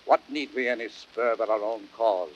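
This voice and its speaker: A man playing a grave, high-minded Roman nobleman, speaking in a solemn, measured, oratorical Shakespearean style. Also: lo-fi sound, natural voice. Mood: earnest, resolute. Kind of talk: classic Shakespearean radio acting, oratorical. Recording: hissy old audiodrama record.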